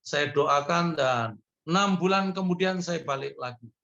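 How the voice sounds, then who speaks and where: Pastor guy, slightly high voice, muffled lo-fi call audio, tells stories and plays the people in them. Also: a little slow, sharp tone. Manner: storytelling, acts out a man pleading in a high voice. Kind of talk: sermon over video call.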